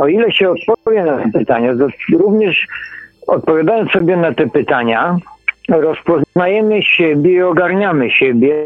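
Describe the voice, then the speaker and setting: Using lively intonation and very even loudness, a man speaks at a moderate pace in a high pitch. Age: 60s. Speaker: radio caller. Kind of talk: phone-in discussion. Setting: phone call.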